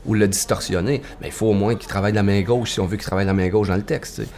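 Storyteller guest, man, Québécois accent, low voice, easygoing folksy delivery. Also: fairly even intonation, racing, darkish tone. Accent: Québécois French. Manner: easygoing and folksy, with loose fillers and tags. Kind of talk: casual conversation.

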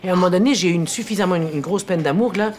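A woman's voice: lowish voice, rapid-fire. A middle-aged woman with a Québécois French accent, chatting over lunch and telling a story about her life with lots of laughter. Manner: animated storyteller, laughs often. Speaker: guest actress. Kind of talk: casual chat over lunch.

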